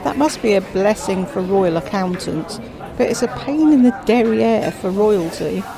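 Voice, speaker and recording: A woman's voice: mid-range voice, expressive, unhurried, gravelly, a crowd in the background. A woman voicing a chatty, self-absorbed widowed queen who drawls with grand theatrical emphasis. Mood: grandiose.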